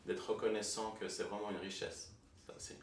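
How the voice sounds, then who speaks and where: A deep-voiced man from Geneva, speaking as a musician in an interview. He talks calmly and steadily, pausing on fillers. He sounds a bit off-mic in an echoey room. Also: recorded from a distance. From Geneva, Switzerland. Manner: calm, measured, with fillers. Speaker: musician, guest. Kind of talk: interview answers. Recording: roomy, off-mic, light hiss.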